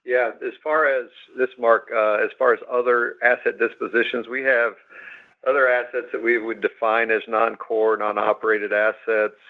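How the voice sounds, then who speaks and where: A man's voice: medium pitch, level tone, normal speed. A man, a company executive, giving guarded answers on a conference call. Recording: tinny phone line.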